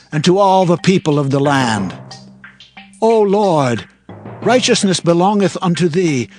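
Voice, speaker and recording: An actor playing a devout, humbly penitent prophet in dramatized scripture, with earnest, solemn, declamatory delivery. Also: male voice, a little high.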